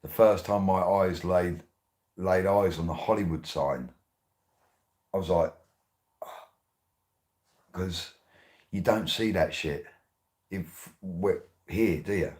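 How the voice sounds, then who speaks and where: A man, hosting his radio show in a rambling, excitable way, laughing often. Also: low voice, slow, pauses often. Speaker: radio host. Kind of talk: casual monologue.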